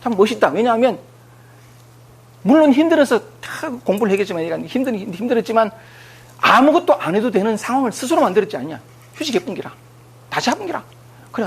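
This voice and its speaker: A man with a Gyeongsang accent giving an animated spiritual lecture, speaking straight to his listeners. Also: sits high, slightly rough. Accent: Gyeongsang Korean. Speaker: lecturer on scriptures.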